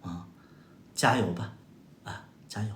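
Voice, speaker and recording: A man's voice: on the low side, takes it slowly, fairly bright tone, slight background noise. A man from Heilongjiang with a Northeastern Mandarin accent, hosting a livestream and firing sarcastic, combative retorts at viewer comments with exaggerated exclamations. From Heilongjiang, China. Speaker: livestream host. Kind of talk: casual livestream chat answering viewer comments. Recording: echoey room sound.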